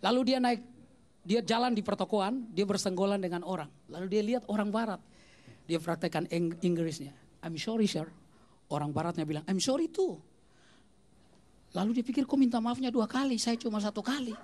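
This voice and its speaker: A man performing stand-up comedy, telling stories and acting out the people in them with big jumps in pitch. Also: fairly quick, darkish tone. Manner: acts out quoted voices with big pitch jumps.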